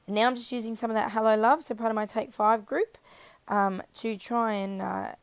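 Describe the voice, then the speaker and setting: A woman with a croaky, scratchy voice chatting casually through a crafting voiceover, rambling and correcting herself as she goes. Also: fairly high pitch, flat delivery, moderate pace, no echo. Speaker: craft video maker. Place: voiceover recorded apart from the footage.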